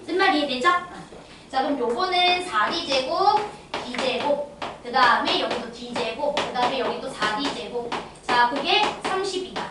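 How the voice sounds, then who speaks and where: Bright-voiced woman math teacher, echoey room. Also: sits high, lively intonation, moderate pace. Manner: checks understanding with constant tag questions. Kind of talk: lecture to exam students. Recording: echoey room, distant mic, faint noise.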